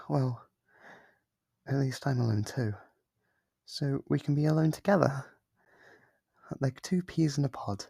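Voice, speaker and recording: Soft-spoken sealed demon voiced by a man, clingy, manipulative, mellow voice, close dry mic. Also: mid-range voice, creaky, slightly rough, dry recording. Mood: tender. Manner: soft-spoken, wheedling, quick to apologize. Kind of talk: ASMR roleplay audio.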